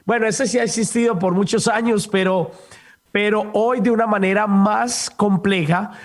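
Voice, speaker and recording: A man who is a priest hosting a Catholic talk program, calmly explaining his points one by one. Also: sits high, moderate pace. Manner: calm, explanatory. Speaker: priest and host.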